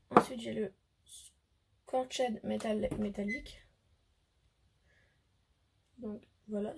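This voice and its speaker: A hoarse woman with a French accent, a beauty vlogger chatting casually to camera, hesitant and full of fillers. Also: medium pitch, warm tone, a little hiss or hum. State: hoarse, losing her voice. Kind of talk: casual makeup haul chat to camera.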